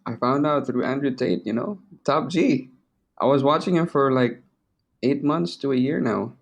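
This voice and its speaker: A man's voice: mid-range voice, normal speed, creaky. A man in his twenties from the United Arab Emirates chatting casually as an interview guest, with informal, slangy talk and some swearing. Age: 20s.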